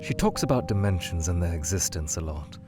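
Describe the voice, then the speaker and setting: A formal, anxious skeleton scientist, voiced by a man in a fan audio drama. He speaks in measured, proper sentences with a pitch that swings widely. Music plays behind him. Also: animated. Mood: composed. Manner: measured, formal speech that turns frantic and pleading.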